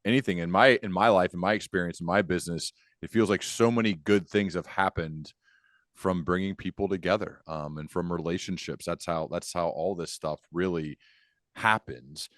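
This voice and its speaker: A low-voiced man hosts a podcast interview in a close, dry-sounding recording. He is conversational and earnest, easing tentatively into his questions. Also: fairly even intonation, moderate pace, a bit bright, no room sound.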